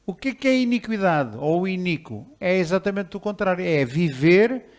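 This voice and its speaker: A man preaching a sermon in a conversational, animated way, with restarts and chuckles. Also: sits high, moderate pace. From Portugal. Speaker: pastor.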